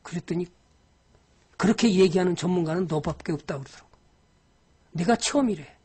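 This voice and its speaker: A woman's voice: on the low side, fairly quick, warm tone, slightly rough. A woman giving a live-streamed lecture on stock investing. She talks to viewers directly in a scolding, exasperated way, with frequent sighs.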